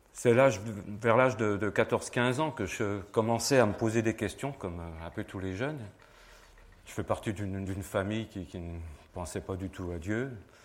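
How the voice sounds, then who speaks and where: In a normal speaking voice, the speaker shows big swings in loudness and ordinary pitch variation. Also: man, fairly low pitch for a man, moderate pace. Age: 60s. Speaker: church elder candidate. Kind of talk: testimony. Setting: church.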